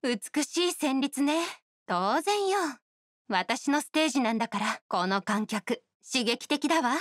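A proud young oni woman from a video game, with a fairly high voice recorded dry and close. She is a star musician and a perfectionist. Her delivery is poised, exacting and sure of itself. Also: animated, measured pace, no room sound. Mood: pleased, self-assured. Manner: poised, self-assured, exacting. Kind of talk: Japanese video game character voice lines.

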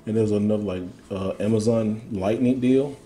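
A man's voice: fairly low pitch, fairly quick, warm tone. Laid-back joking man. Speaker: co-host. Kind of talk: casual banter. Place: game room with arcade cabinets.

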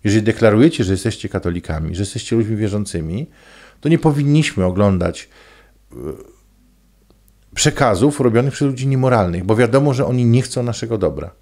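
A man's voice: lowish voice, a little fast, darkish tone. A middle-aged man, a coach speaking in an emphatic, preachy and colloquial monologue to camera. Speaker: coach and trainer. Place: small indoor room. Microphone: desk microphone close in front.

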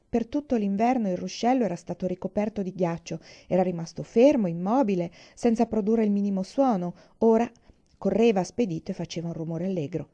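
An expressive woman narrating a storybook aloud. Her voice is very dark and mellow, and she reads vividly. The recording sounds a little dull and lo-fi. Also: lowish voice.

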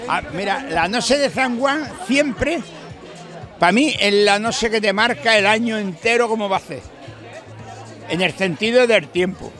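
A man's voice: high voice, animated, measured pace. An older man with an Andalusian accent, chatting in a rambling, folksy, emphatic way in an outdoor interview at night. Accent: Andalusian Spanish. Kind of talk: casual chat. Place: beach bar terrace at night, outdoors. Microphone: handheld mic held by interviewer. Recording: music and crowd faintly behind.

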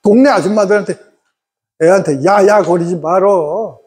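A middle-aged man lecturing parents in an animated way and having the audience repeat phrases after him. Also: high voice, moderate pace, slightly rough.

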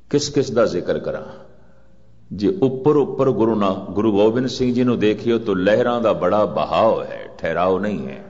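Older preacher, deep and echoing. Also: male voice, darkish tone. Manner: slow, measured delivery with chanted scripture quotes. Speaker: Sikh preacher. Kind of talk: religious discourse. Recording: muffled archival recording with long reverb.

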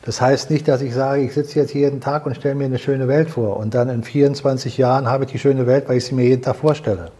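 A man's voice: mid-range voice, steady tone, fast, hardly any pauses, mellow, breathy edge. An older man hosting a salon conversation in a living room, earnestly explaining and repeating words as he searches for them. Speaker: host. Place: living room with fireplace, indoors.

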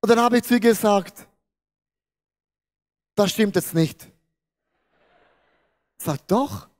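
A man, preaching a sermon into a handheld mic on a large church stage and acting out a story, swinging between loud and hushed. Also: sits high, slow pace. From Switzerland. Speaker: pastor.

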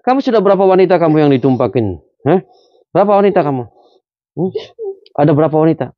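A man's voice: a little high, expressive, quick pace, no room sound. A man with a Cirebon accent, a spiritual healer who gives stern commands and scolds a patient. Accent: Cirebon Indonesian. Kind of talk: scolding healing session. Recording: dull dry lo-fi sound.

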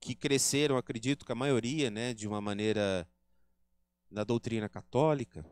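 The speaker is a man with a Brazilian Portuguese accent giving an earnest religious lecture at a spiritist center, where he teaches and acts out quoted remarks. He has a smooth, medium-pitched voice at a moderate pace, with no echo.

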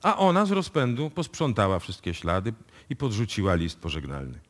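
An actor playing a confident police detective who deliberately lays out a case in a radio play. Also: male voice, on the low side, big pitch swings. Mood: explaining, assured. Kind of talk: live radio drama acting in Polish. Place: radio music studio, performed live before an audience.

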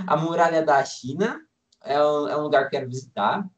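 A man's voice: a little high, a little fast, muffled recording. A nineteen-year-old man, a language student, talking casually on a video call from home, easygoing and enthusiastic, a bit rambling. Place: room at home, indoors. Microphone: computer mic on a video call.

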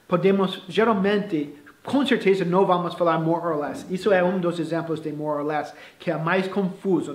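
A man with a high, light voice teaches English phrases at an easy pace. He often restarts his sentences and slips English words into his explanations. The room around him rings with echo. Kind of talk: casual bilingual lesson.

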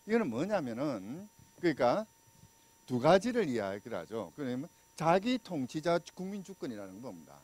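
Delivering a public law talk in a small lecture room, a middle-aged man from Busan, South Korea, speaks in a slightly high voice with a darkish tone. He uses a handheld mic, moves around and gestures, and keeps a conversational style full of fillers while posing questions to listeners.

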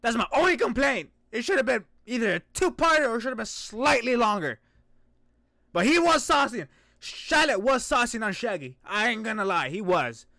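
A man doing excited, playful reaction commentary in casual slang, often exclaiming and shouting as a streamer. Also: very high voice, normal speed, gravelly, dry recording, studio quality. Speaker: VTuber streamer reacting to an animation. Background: music and video audio.

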